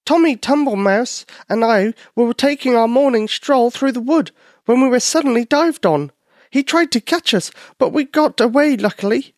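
A man voicing a small, frightened young mouse who talks high and excitedly in a storybook reading. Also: normal speed, no room sound, studio quality. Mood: scared.

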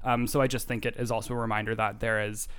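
A man's voice: fairly low pitch, level tone, quick pace, fairly bright tone, clear, resonant tone. A man co-hosting a casual podcast, talking in a rambling, filler-heavy, joking way. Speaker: podcast co-host.

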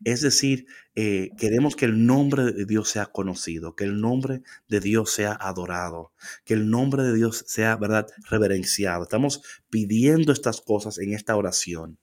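A man co-hosting a casual faith talk, animated and slipping into English phrases. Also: fairly low pitch, moderate pace. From Latino. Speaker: co-host.

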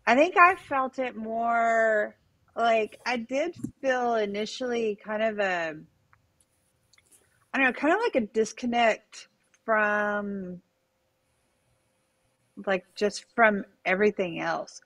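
A woman's voice: fairly high pitch, animated, takes it slowly, long pauses, fairly bright tone, no room sound. A woman in her thirties, a podcast guest, telling a personal story in a hesitant way, full of fillers and restarts. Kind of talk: candid conversational storytelling.

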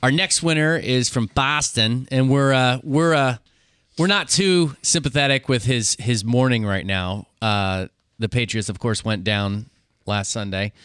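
A man's voice: medium pitch, measured pace, fairly bright tone, smooth, no echo, clean studio sound. A man co-hosting a podcast in casual chat, a little hesitant and repeating his words. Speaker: podcast co-host.

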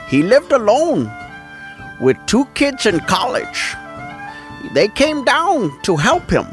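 A man plays an older cholo homeowner who rambles through long stories and loses his thread mid-sentence. His voice is high and gravelly with big swoops in pitch, as in a comedy sketch. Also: exaggerated voice. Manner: drawling, rambling, trails off mid-thought. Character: older laid-back male cholo homeowner, rambling storyteller.

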